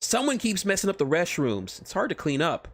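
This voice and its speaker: A man's voice: sits high, very animated, a little fast, a bit bright, voice pushed up, exaggerated voice. A man voicing a blunt, complaining young male ninja with a griping, accusatory manner in a comic story reading.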